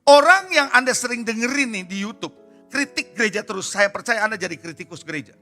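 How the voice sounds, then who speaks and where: High, bright-voiced man preaching. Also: lively intonation, fast talker, faint music behind. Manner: emphatic, keeps asking the congregation rhetorical questions. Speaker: pastor. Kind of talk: sermon. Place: church service.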